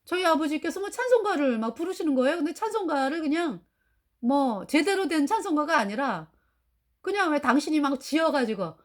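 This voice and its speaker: Woman, middle-aged, high voice, swooping lively pitch, church testimony, animated, frequent laughter. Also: a little fast. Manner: animated, acts out quoted dialogue, laughs often. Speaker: church member giving testimony. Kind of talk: personal testimony storytelling.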